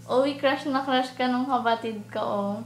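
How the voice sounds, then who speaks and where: A woman's voice: high-pitched, normal speed, reverberant, slight background noise. A young woman from the Philippines gushing in a casual fan video message, mixing English with her own language. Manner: cheerful, gushing, mixes English and Tagalog. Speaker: fan sending a video greeting. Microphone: phone or handheld camera.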